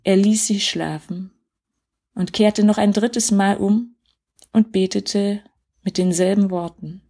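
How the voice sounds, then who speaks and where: A woman tells a children's Bible story in a calm, measured storybook style. She reads slowly and gently, pausing now and then to reflect. Her voice is soft and breathy. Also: medium pitch.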